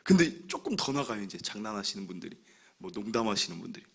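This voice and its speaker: Male pastor in his 30s giving a sermon, bright tense voice, bit husky, funny storytelling. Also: fairly low pitch, fast talker. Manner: animated, humorous storytelling; acts out other people's remarks.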